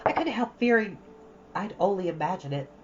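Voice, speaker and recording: Lady doing a dreamy gushing little girl from a storybook, swoopy pitch, kinda dull lo-fi sound. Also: lively intonation, a little fast, natural voice. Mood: thrilled, earnest. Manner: gushing, dramatic, earnest. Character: dreamy, chattering, romantic young orphan girl. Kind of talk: storybook read-aloud. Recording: dull, lo-fi, faint background noise.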